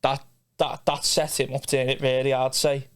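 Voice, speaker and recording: A man's voice: mid-range voice, flat delivery, normal speed, smooth. A young man hosts a casual podcast chat in a matey, slangy way, often ending on tag questions. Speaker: podcast host.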